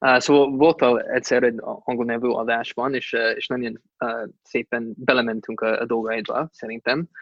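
This man has an English accent, a medium pitch, fairly even intonation and a moderate pace. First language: English (speaking Hungarian). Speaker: podcast host. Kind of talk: casual interview in second language. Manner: halting, many fillers and repetitions.

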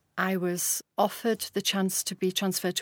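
An unremarkable speaking voice belongs to a woman at a fairly low pitch and moderate pace, recorded very cleanly with a silent background in a dry, close sound with no echo. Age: 50s. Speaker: mental health nurse. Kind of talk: radio panel discussion.

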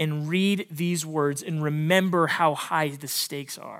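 With an American accent, a man speaks at a fairly slow pace with ordinary pitch variation. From Montana. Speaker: youth pastor. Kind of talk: sermon.

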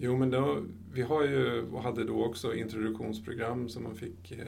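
Over noticeable background noise and audible room echo, a man with a medium-pitched voice speaks at a fairly slow pace. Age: 40s. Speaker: software developer. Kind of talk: interview.

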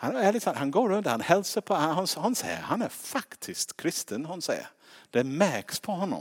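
A man speaks at a high pitch and a moderate pace with lively intonation. The sound is dry and close, with no echo. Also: very clean recording, silent background. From England. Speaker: preacher. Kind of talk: sermon.

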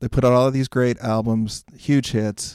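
A man speaks at a medium pitch with fairly even intonation and an American accent. His pace is fairly slow, and the recording is very clean with a silent background. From central Illinois, US. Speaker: music journalist and podcast host. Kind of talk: casual chat. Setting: studio.

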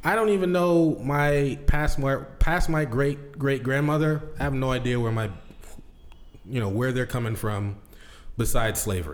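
At a moderate pace, a man speaks in a plain, everyday voice that is fairly high-pitched, with lively intonation. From United States. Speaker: podcast host. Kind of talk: interview. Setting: studio.

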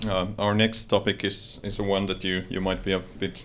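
Spoken in a Finnish accent at a moderate pace, the voice stays monotone with flat intonation, on a very clean recording with a silent background. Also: man. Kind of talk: interview.

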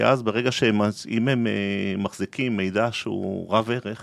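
On a very clean recording with a silent background, a man has a plain, everyday voice, a fairly low pitch and ordinary pitch variation. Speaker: cybersecurity company manager. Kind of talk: interview. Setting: studio.

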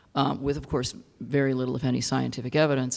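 On a very clean recording with a silent background, a woman with an American accent and a very deep, low pitch speaks at a fairly quick pace with vocal fry. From US Midwest, central Illinois. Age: 60s. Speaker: professor. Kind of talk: panel discussion. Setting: stage with audience.

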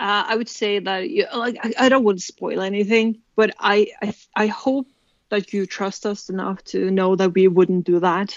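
A moderate pace and ordinary pitch variation, in a Norwegian accent. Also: woman, medium pitch for a woman. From Norway. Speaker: comic book writer. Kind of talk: casual interview. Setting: video call.

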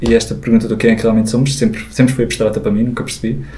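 Amid noticeable background noise and audible room echo, a man speaks at a medium pitch with ordinary pitch variation. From Portugal, Costa Vicentina (Alentejo coast). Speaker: traveller. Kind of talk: casual chat.

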